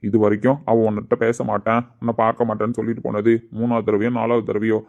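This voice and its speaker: A man playing Sanjay, a brash, gruff young man who hides his love, in a web drama. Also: fairly low pitch, little pitch movement, quick pace, a little mellow. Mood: dismissive. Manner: gruff, blunt, hot-tempered. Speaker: actor in a web series. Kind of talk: dramatic dialogue. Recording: dull lo-fi recording.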